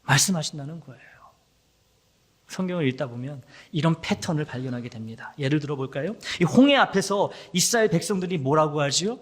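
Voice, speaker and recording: A man preaching a sermon as pastor, acting out quoted voices and sometimes dropping to a whisper. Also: fairly high pitch. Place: church sanctuary. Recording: long hall reverb.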